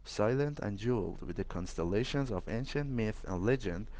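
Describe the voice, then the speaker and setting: A man with a lowish voice reads academic texts aloud. He is careful and formal in delivery. The sound is dry, with no room echo. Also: expressive, moderate pace, darkish tone. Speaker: exam practice reader. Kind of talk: scripted read-aloud of academic passages.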